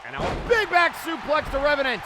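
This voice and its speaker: A man giving live play-by-play wrestling commentary with excited, exclamatory calls. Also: very high-pitched, brisk. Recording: noisy event audio with loud crowd. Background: crowd and arena noise.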